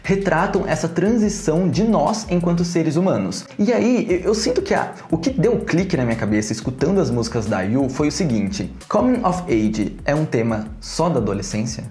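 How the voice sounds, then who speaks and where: A man's voice: on the high side, very animated, normal speed, few pauses, darkish tone, reverberant. A young man hosting a casual explanatory vlog, talking animatedly while seated close to his camera at home. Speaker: video essay host. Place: small room at home, brick wall behind.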